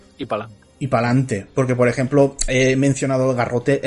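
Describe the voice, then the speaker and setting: A man speaks at a fairly quick pace with a medium pitch. Noticeable background noise runs underneath. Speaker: podcast host, gaming. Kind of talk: casual chat, podcast banter. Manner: joking, informal.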